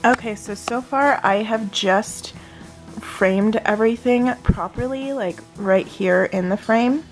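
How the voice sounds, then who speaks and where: A woman vlogger with a fairly high voice talks casually to her viewers. She is chatty and informal, in the style of a day-in-the-life vlog, with faint music behind her. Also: takes it slowly.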